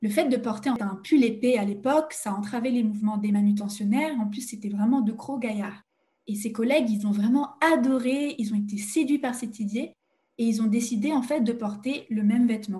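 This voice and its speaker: Somewhat breathy, the voice carries a dark, mellow tone, ordinary pitch variation and a moderate pace. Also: woman, fairly high pitch for a woman. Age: 20s. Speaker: fashion history content creator. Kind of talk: interview.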